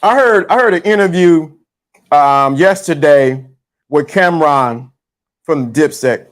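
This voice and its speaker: A man hosting a live stream, talking loosely and repeating himself in slangy, animated casual commentary. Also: on the high side, unhurried.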